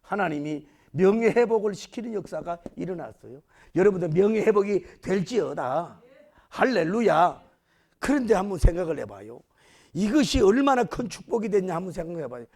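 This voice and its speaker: A male pastor preaching a sermon, acting out scenes with sudden shouted lines. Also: sits high, animated, normal speed.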